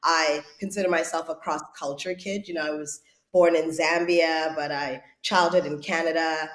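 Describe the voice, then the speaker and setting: A woman's voice: deep voice, steady tone, moderate pace. Woman in an echoey room. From South Africa. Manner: thoughtful, searching for words. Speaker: guest, writer and director. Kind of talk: reflective conversational interview.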